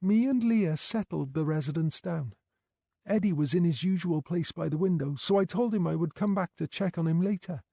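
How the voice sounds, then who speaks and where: A woman's voice: on the low side, moderate pace, vocal fry, mellow, no echo, pitched above the performer's own voice. A man voicing an anxious young female night care worker, talking in a worried, pleading way close to tears.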